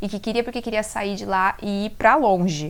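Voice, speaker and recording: The pace is fairly quick as a woman talks at a medium pitch. Her pitch varies in an ordinary way. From interior of São Paulo state, Brazil (Limeira). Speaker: life coach, video creator. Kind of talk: casual vlog monologue. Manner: calm, relaxed.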